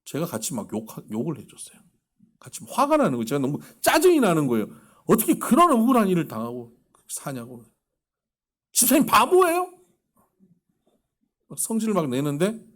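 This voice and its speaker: A male pastor preaching a sermon, telling stories and acting out the voices of the people in them. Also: on the high side. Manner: animated storytelling, acting out quoted voices.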